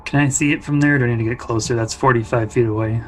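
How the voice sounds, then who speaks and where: A man's voice: medium pitch, steady tone, fast, slight background noise. A man talking casually and bluntly as a player in a tabletop roleplaying game.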